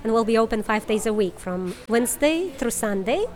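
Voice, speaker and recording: A woman's voice: fairly high pitch, expressive, fairly quick, soft background music. A woman from Ukraine, a cafe owner, answering a reporter's questions outdoors on a street in a friendly, earnest way.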